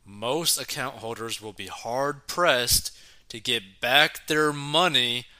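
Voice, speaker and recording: A young man with a very bright, sharp voice reads a news story aloud, then breaks off into excited reactions. His commentary is casual and full of "like" and "right?" asides. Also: medium pitch, takes it slowly.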